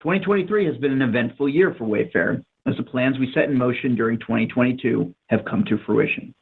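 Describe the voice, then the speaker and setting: A man's voice: medium pitch, a little fast, creaky, slightly rough. A man delivering scripted earnings remarks as a company's chief executive. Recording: muffled narrowband phone line.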